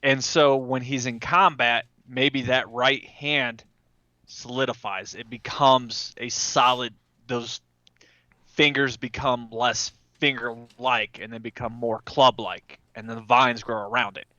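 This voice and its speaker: Man, game player, casual descriptive chat, middle pitch, dry slightly muffled recording. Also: steady tone, slow pace, sharp tone, no echo.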